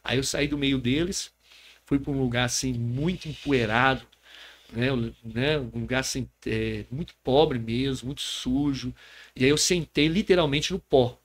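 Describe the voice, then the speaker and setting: Speaking at a measured pace and medium pitch, this man is a pastor on a podcast telling his personal testimony. He has a Brazilian Portuguese accent, an earnest storytelling manner, and a habit of ending sentences with a tag question.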